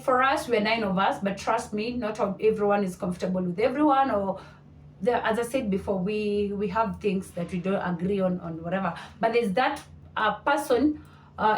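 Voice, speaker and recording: A woman's voice: on the high side, far from the mic, a little hiss or hum. A woman in her thirties chatting to camera as a vlogger, repeating her points and slipping into Swahili. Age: 30s. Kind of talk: casual talk to camera. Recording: roomy sound, voice a little off mic.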